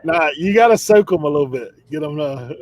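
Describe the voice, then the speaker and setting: Chill dude, voice bouncing up and down, dry close sound, chuckly. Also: male voice, on the high side, expressive, brisk, darkish tone, no room sound. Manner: laid-back, chuckles through his stories. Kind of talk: casual chat.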